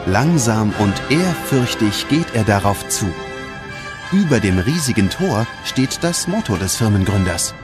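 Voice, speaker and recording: A man's voice: fairly low pitch, very animated, unhurried. A man narrating a scripted children's audio play as a dramatic storyteller. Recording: music behind the voice.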